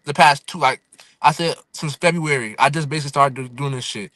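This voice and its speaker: This is a young man of eighteen, from Fresno, California and Houston, guesting casually on a podcast and dropping "you feel me" over and over. He sounds a little high and bright, talks a little fast, and has a forceful tone in a recording with no echo.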